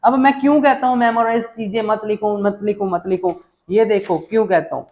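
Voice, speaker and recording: Brisk and steady in tone, this man's high, slightly mellow voice guides students through exam essay examples shown on screen. He's emphatic, hammers home his warnings again and again, and addresses his audience as kids.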